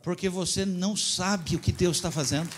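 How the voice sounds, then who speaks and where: A man preaching a sermon as pastor, telling a story and pressing his points with emphatic, loud appeals. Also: high voice, moderate pace, a little hiss or hum.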